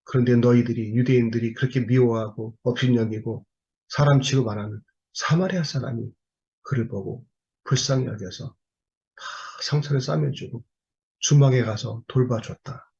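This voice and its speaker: A man preaches a sermon in a husky, slightly breathy voice, driving his points home with one rhetorical question after another to the congregation. The recording sounds a little dull and lo-fi. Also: medium pitch, normal speed, darkish tone.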